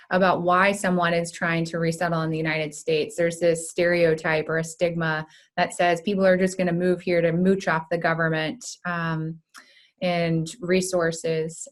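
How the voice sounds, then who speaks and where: A woman pastor hosting an interview, speaking in a measured, affirming way with soft fillers. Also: on the low side. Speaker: pastor and host. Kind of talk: interviewing a guest.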